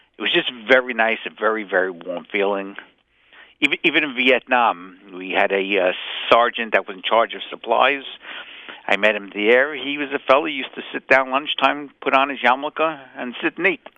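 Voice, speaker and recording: This man has an American accent and a plain, everyday voice. His pitch is medium and his pace moderate. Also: lively intonation, big swings in loudness. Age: 60s. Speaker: war veteran. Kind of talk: interview.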